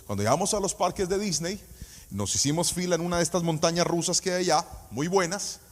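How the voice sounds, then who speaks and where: A man's voice: high-pitched, fairly quick. A man preaching a sermon, passionate and storytelling, often singing out his phrases.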